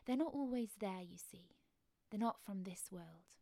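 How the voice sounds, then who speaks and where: A woman narrating a bedtime story in a soft, gentle voice that often drops to a hushed whisper. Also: mid-range voice, expressive, a little slow, dry recording.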